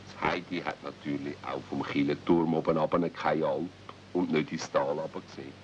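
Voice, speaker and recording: A man's voice: rumbling low, steady tone, moderate pace. A man with a Swiss accent narrating a children's radio play as a storyteller. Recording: dull, faintly noisy old cassette recording.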